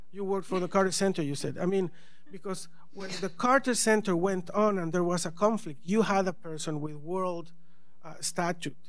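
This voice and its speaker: With a Spanish accent, a man talks at a moderate pace in a high pitch and fairly even intonation, with audible room echo around him. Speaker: panelist on Latin American politics. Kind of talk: panel discussion. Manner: halting, many repetitions.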